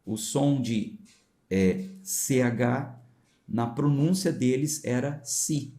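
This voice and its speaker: A pastor from São Paulo reads scripture and talks it through in a relaxed, chatty way, turning aside to address his listeners. He has a São Paulo accent and a dark, mellow tone. His pitch sits in an ordinary middle range for a man. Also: drawn-out words. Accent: São Paulo Portuguese. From São Paulo, Brazil. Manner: conversational, explains with informal asides to viewers. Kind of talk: Bible reading with explanatory commentary.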